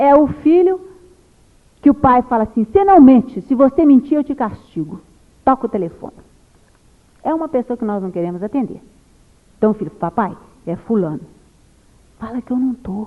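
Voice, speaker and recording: A woman speaks with a high pitch and very wide pitch swings. She leaves long pauses often. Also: moderate pace. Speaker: spiritist lecturer. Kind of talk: lecture.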